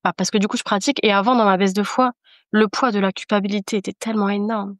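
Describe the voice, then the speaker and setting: A woman's voice: medium pitch, steady tone, quick pace, no echo, studio quality. A woman speaking as a podcast guest in casual conversation, giving an earnest, emphatic personal testimony and repeating phrases for emphasis.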